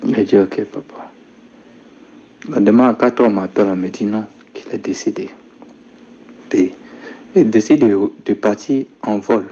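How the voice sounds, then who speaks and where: A young man recounts his life story in a soft-spoken manner. His voice sits low and mellow, and it sinks quieter still when he quotes his grandfather. The recording is dull and lo-fi. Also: moderate pace, long pauses, slightly rough. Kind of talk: personal testimony.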